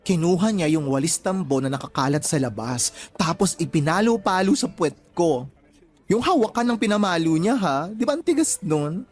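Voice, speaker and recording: A man's voice: fairly high pitch, lively intonation, moderate pace, a little mellow, breathy edge. A man playing a flamboyant young gay Filipino in a radio drama, sassy and dramatic, with slangy exclamations. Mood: dramatic recounting. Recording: music playing under the voice.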